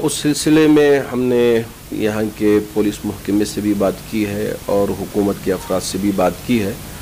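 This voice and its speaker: Middle-aged man, noisy recording. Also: darkish tone. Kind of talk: spoken public statement to camera. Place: small indoor office lined with bookshelves. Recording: clear background noise, low rumble.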